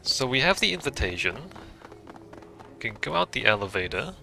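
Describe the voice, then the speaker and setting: Cantonese-native guy streaming a game, thinking out loud, sharp bright voice, faint game music behind. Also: mid-range voice, very animated, moderate pace, creaky. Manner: chatty, thinks aloud. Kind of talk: casual let's-play commentary.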